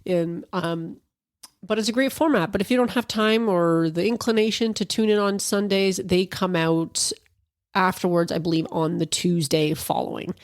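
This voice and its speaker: A woman's voice: lowish voice, moderate pace, no echo, clean studio sound. A woman in her forties hosting a casual solo podcast, a little stuffed up from allergies, chatty and rambling with fillers and restarts. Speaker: podcast host.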